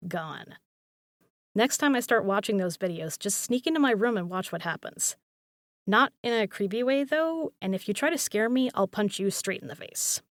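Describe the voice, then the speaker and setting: A woman plays a caring young female roommate in an intimate audio roleplay. She talks casually and emphatically, teasing and coaxing with a bossy streak and a loose, sweary mouth. Her voice is mid-pitched and recorded dry, with no room around it. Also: dry recording, close to an everyday voice. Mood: animated, confiding.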